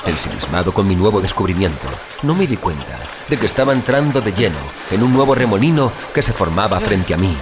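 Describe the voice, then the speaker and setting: A man performs a dazed, desperate survivor telling his own story in an audio drama. The voice is on the low side and swings widely in pitch, with theatrical gasps and exclamations. Music plays clearly behind the anguished narration. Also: very animated, brisk, few pauses. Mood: somber, haunted. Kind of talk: dramatic first-person audio fiction narration.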